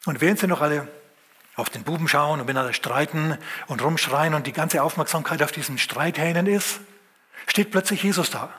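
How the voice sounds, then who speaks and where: A man with a fairly high, husky voice preaches a sermon. He retells a scripture story with vivid storytelling, lively sound words and dramatic pauses.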